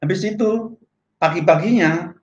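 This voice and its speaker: A man telling a personal testimony in an animated way, acting out the voices of people in his story. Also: sits high, measured pace. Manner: animated, acts out quoted voices. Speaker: testimony speaker. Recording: echoey, dull lo-fi room sound.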